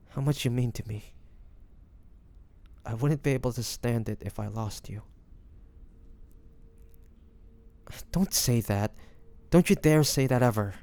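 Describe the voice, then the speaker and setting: Slow, gravelly-edged devoted young man, acted. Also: medium pitch, dark tone, no echo. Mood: anguished, pleading. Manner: halting, emotional, pleading, with pauses and sighs. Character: devoted, anguished young man in fantasy romance, tender and protective. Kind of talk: intimate romantic roleplay audio drama acting.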